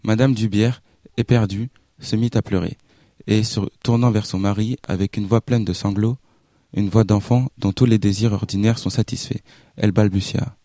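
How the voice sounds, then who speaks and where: Low, mellow-voiced male narrator. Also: fairly even intonation, normal speed, no room sound, clean studio sound. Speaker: audiobook narrator. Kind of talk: literary audiobook reading.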